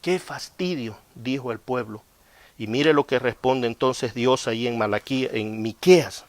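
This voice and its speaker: A man's voice: mid-range voice, steady tone, normal speed, no room sound. A man preaching a Bible study sermon as pastor, earnest and exhorting his listeners.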